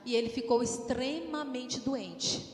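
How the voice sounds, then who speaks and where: A woman with a Brazilian accent preaching a sermon, animated and calling on the congregation to respond. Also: sits high, a little slow, faint music behind. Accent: Brazilian Portuguese. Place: church hall. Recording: echoey church hall with long reverb.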